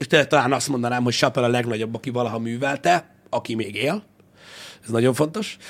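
The man's pace is fairly quick. His voice sits at a medium pitch. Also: ordinary pitch variation. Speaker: podcast host. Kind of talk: casual chat. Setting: studio. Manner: talkative, informal, rambling.

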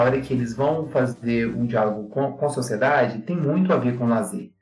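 Noticeable background noise sits behind the voice. A man talks with ordinary pitch variation. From Minas Gerais, Brazil. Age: 40s. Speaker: professor. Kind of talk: casual interview.

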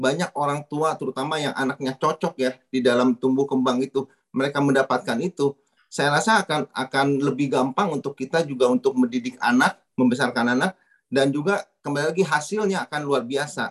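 A man's unremarkable speaking voice, fairly high in pitch, fairly quick, with ordinary pitch variation and a dry, close sound with no echo. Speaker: mathematics educator, participant. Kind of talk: audience comment. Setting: video call.

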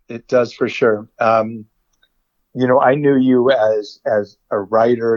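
A man with an American accent speaks in an unremarkable speaking voice. His pitch is medium and his pace fairly slow. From Colorado, US (Denver area). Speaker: filmmaker and poet. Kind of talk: casual interview chat.

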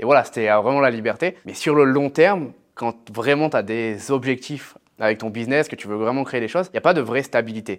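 A man talks in an ordinary speaking voice at a medium pitch and fairly quick pace, with ordinary pitch variation. His loudness swings widely against a quiet background. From France. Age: 20s. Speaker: online entrepreneur. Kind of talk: casual interview.

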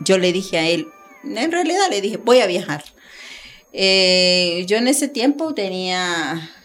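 Over noticeable background noise, a woman talks at a fairly slow pace in a medium pitch with lively intonation. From born in El Salvador, raised in Europe. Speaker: podcast guest. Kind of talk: casual chat. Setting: studio.

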